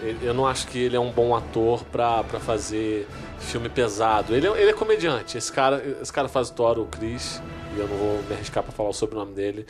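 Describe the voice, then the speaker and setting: A man co-hosting a casual podcast, talking excitedly and stumbling over repeated words. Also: medium pitch, brisk, hardly any pauses, music in the background. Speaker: podcast co-host. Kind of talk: casual nerd podcast chat.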